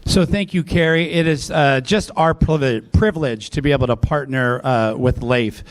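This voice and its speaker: A man's voice: mid-range voice, normal speed, a little hiss or hum. A man, a school district leader, giving a speech into a mic at a live event, full of fillers and restarts. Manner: hesitant with many fillers and restarts. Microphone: handheld or podium mic.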